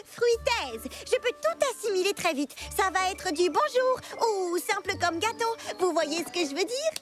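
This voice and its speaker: Casting: melodramatic cartoon little girl, boastful, very high and lively, exclaiming theatrically over clear music. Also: normal speed. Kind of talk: animated children's cartoon dub. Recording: music behind the voice.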